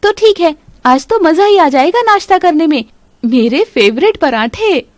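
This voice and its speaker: A spoiled young sister-in-law whines and pouts in a high, bouncy voice, voiced by a woman. She sounds demanding and childish, a storybook cartoon brat. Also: expressive, a little slow, no room sound. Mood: pouty. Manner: whiny, pouting. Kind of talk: animated storybook voice acting.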